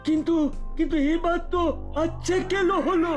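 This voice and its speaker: A man's voice: extremely high pitch, flat delivery, moderate pace, faint music behind. A man voicing a shifty, whining market cheat in a comic cartoon, repeating himself defensively. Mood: defensive, flustered. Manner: defensive, stammering repetitions.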